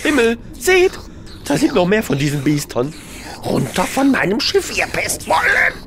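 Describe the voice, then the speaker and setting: A man's voice: high voice, wildly swooping pitch, normal speed, background noise. Man playing an irritable space captain, wildly swooping voice. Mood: angry, alarmed. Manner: blustering, exclamatory, swearing. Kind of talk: comedy radio play acting.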